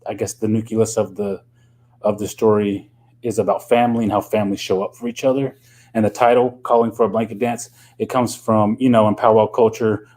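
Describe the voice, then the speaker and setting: A middle-aged man from Oklahoma speaks in a lowish voice, easing through his answers as a novelist guest. He talks loosely, with lots of ums and you-knows. His pitch rises and falls in a lively way. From Oklahoma, USA. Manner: thoughtful, loose, full of um and you know. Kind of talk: casual radio interview.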